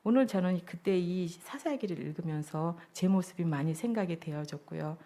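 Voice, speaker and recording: A woman's voice: fairly low pitch, normal speed, warm tone. A woman junior pastor preaching a sermon at a church service, earnest and reflective as she shares her own testimony.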